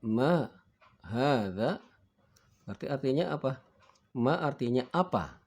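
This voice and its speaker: A man's voice: medium pitch, lively intonation, slow, a little mellow, slightly rough. A man teaching a beginner Arabic lesson, reading each word twice for students to repeat and acting out forgetting and looking up words. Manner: patient, acts out forgetting and finding words.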